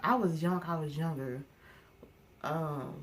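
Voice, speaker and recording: A woman speaks at a fairly slow pace with a very deep, low pitch. There is noticeable background noise. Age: 20s. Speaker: YouTuber with epilepsy. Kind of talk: testimony.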